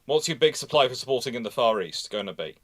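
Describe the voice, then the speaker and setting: Man explaining in halting, didactic bursts. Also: medium pitch, lively intonation, fairly bright tone. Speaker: host of a live naval history show. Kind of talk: live panel discussion, unscripted explanation.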